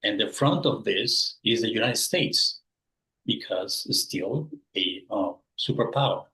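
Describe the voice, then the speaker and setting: A man's voice: lowish voice, expressive, a little slow, pushed and bright, low-quality recording. A man in his sixties from Peru, answering interview questions and rephrasing as he searches for words. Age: 60s. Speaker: guest.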